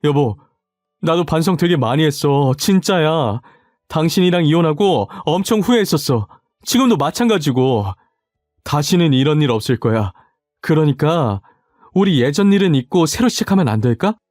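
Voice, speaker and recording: A man's voice: on the high side, expressive, normal speed, darkish tone, no echo, clean studio sound, soft background music, natural voice. A man voicing a regretful ex-husband who pleads earnestly and wheedles to get back together. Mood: wheedling.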